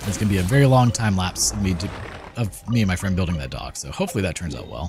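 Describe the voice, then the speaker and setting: With music in the background, a man with a fairly low pitch talks at a very fast pace. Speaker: gaming streamer. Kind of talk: casual chat.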